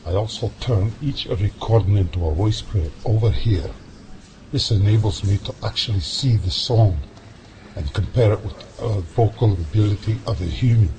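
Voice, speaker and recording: A seasoned Scottish sound analyst, as a man plays him, calm and folksy in a low voice, talking shop with easy confidence. Hiss sits clearly under the recording. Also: normal speed, lightly acted. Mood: explaining. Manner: calm, folksy, says lad and aye. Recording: noisy home-made audio drama.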